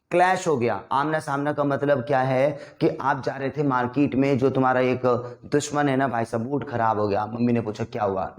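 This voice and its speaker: Man teaching vocabulary. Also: medium pitch. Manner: drills words, repeating and checking with "ठीक है ना?". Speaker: English teacher. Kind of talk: classroom vocabulary lesson.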